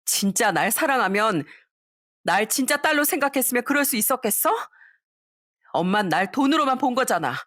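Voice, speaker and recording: A furious wife, as a woman reader plays her, hurls sharp, accusing lines at her mother in a raised voice. The sound is dry, in the manner of a storybook reading. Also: a little high, lively intonation, normal speed, no room sound. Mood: angry.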